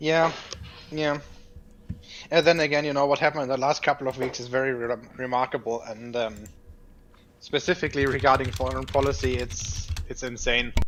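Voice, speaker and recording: In a German accent, a man at a medium pitch speaks at a fairly quick pace with ordinary pitch variation and long, frequent pauses. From Germany. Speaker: chemist, political commentator. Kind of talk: casual debate discussion.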